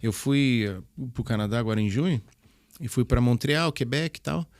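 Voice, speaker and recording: Man telling lively stories, dry sound. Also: mid-range voice, normal speed, dry recording. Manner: animated storyteller, restarts and repeats words. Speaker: church youth ministry leader, guest. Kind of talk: casual interview chat.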